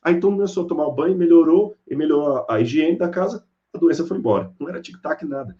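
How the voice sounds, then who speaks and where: A man's voice: on the high side, quick pace, highs cut off. A man giving a sermon-style Bible lecture, telling stories and acting out the people in them. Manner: animated storyteller acting out characters. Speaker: preacher.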